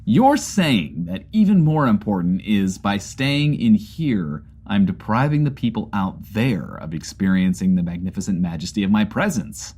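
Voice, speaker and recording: A man's voice: on the low side, expressive, moderate pace, few pauses, darkish tone. An actor playing a neurotic, self-absorbed radio host who broadcasts from a bunker. He mocks himself, then turns grandiose, in a comedy audio drama. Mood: wry.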